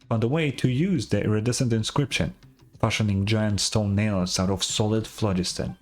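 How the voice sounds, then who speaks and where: A man's voice: lowish voice, close to an everyday voice. Man playing an earnest, solemn tribal storyteller. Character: earnest male tribal storyteller recounting heroic legends. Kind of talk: dramatic storytelling, scripted game dialogue.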